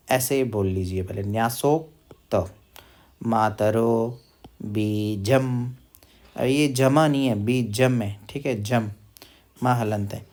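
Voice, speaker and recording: A man with a medium-pitched, somewhat dark voice gives a slow, step-by-step recitation lesson. He drills pronunciation by repeating syllables slowly and asking questions, and he chants verses in long, drawn-out syllables.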